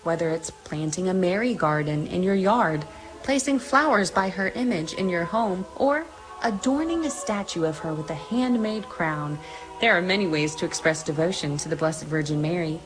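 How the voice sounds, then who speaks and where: A woman reading a scripted radio promo in a gentle, inviting way. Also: fairly low pitch, animated, normal speed, music in the background, rough recording. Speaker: promo announcer.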